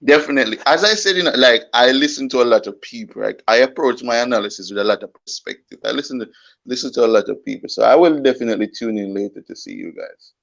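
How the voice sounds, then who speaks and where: A man talks in a gravelly, relaxed way. The call audio is dull and lo-fi. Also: medium pitch, fast. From Jamaica. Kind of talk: casual video call chat.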